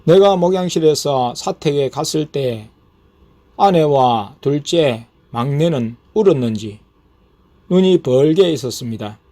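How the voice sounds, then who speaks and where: Higher-voiced man narrating a testimony. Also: lively intonation, measured pace, mellow. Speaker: pastor.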